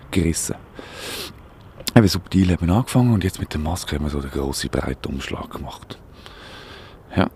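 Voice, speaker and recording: A man's voice: fairly low pitch, vocal fry, a little mellow, a little hiss or hum. A man with a Swiss German accent hosting a satirical radio show, talking outdoors in a rambling, sarcastic, mock-alarmed way. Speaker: radio host. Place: outdoors, walking.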